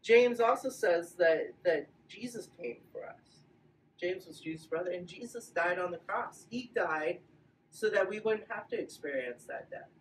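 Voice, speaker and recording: A woman teaching a children's Bible class in a playful, animated way, coaxing the kids to join in. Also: lowish voice, normal speed, recorded from a distance, a little hiss or hum. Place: large echoey room with a group of children. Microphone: camera at a distance. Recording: roomy echo, recorded from afar.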